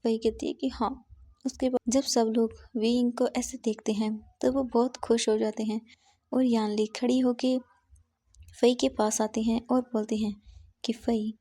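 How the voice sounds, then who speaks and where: A woman reading her own fan-fiction story aloud in a steady, plain storytelling manner. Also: fairly high pitch, normal speed.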